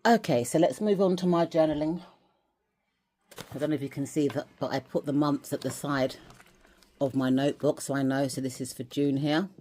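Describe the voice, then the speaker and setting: Chatty woman with a low voice. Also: normal speed, warm tone, a little hiss or hum. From England. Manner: chatty, rambling with restarts and fillers. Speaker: vlogger. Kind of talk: casual chat, showing dolls and journal.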